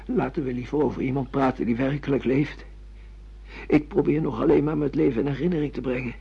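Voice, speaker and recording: A man's voice: mid-range voice, steady tone, brisk, gravelly, breathy edge. A man acting a bewildered, sardonic middle-aged amnesiac husband in a Dutch radio play, with theatrical, ironic delivery. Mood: uneasy. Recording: muffled lo-fi radio play recording.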